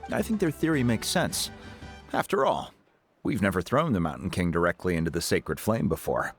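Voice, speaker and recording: A man voicing a calm, thoughtful tribal chief who explains events in a game cutscene. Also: low voice, moderate pace, soft background music. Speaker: tribe chief.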